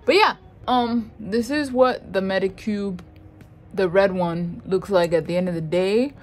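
A woman reviews beauty products in a chatty, slangy way and tosses in playful asides. Her voice sits mid-range in pitch, and faint music runs under parts of it. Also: a little slow, darkish tone. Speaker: beauty vlogger. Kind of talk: casual product review vlog.

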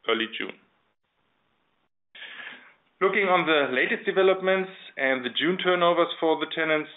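German-accented executive on a phone line. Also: male voice, medium pitch. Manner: formal, measured, reading from prepared text. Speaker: company chief executive presenting results. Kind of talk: scripted financial presentation on a conference call. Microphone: telephone conference line. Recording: narrow phone-line sound.

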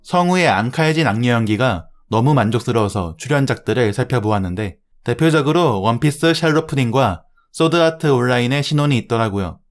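A man's voice: medium pitch, expressive, fairly quick, few pauses. A man narrating a scripted anime review as the reviewer. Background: music.

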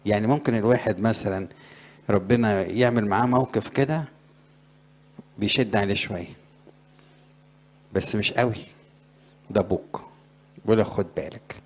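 A man's voice: on the low side, normal speed, pauses often. A middle-aged man, a priest with an Egyptian Arabic accent, giving a conversational sermon to young graduates and rising in emphasis on scripture verses.

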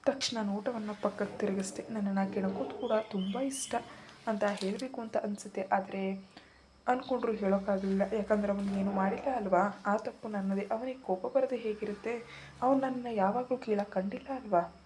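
A woman's voice: medium pitch, fairly even intonation, a little fast, background noise. A woman narrating a first-person romantic story at an emotional storytelling pace.

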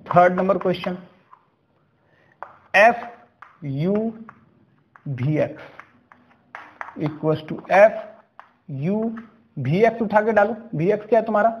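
A man teaches a maths lesson in speech, moving slowly and stopping to check that his students follow. His voice sits high for a man. The recording sounds muffled and lo-fi. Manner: slow, step-by-step, checks understanding with questions.

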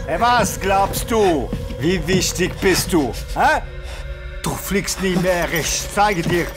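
A man's voice: high-pitched, expressive, slow. A man playing a menacing killer who taunts his victims in an audio drama. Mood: taunting. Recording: music behind the voice.

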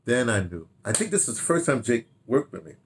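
An American man in his sixties reminisces casually in a rambling, halting way, repeating words and throwing in animated asides, recorded in a home study. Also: mid-range voice, a little hiss or hum. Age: 60s. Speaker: radio drama director telling his history. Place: small home study, indoors.

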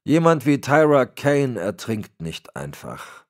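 A man voicing a frail, cold old crime boss who gives orders in a raspy voice. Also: medium pitch, big pitch swings, slow pace, voice pushed up. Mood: icy. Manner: cold, commanding. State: raspy, cracking voice.

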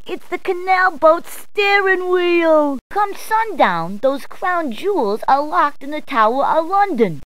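A cheerful adult policewoman from a game, trading one pun after another. Her voice sits high and perky, and the studio recording is dry and close with no room sound. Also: expressive, slow, few pauses, fairly bright tone, no echo, exaggerated voice. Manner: upbeat, punning, chatty. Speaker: voice actor. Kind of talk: game voice clips.

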